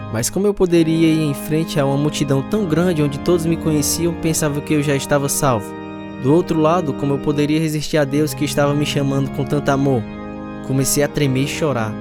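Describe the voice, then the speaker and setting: A man's voice: medium pitch, close to an everyday voice. An actor playing a troubled, repentant man telling his own story as a dramatised radio testimony. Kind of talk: first-person dramatised testimony narration. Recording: music behind the voice.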